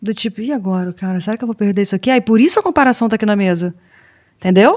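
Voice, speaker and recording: Talking very fast in a Brazilian accent, a woman has a fairly high pitch, an animated tone and ordinary pitch variation. The background is quiet, and the sound is dry and close with no echo. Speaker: tarot reader. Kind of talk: tarot reading video. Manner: casual, animated.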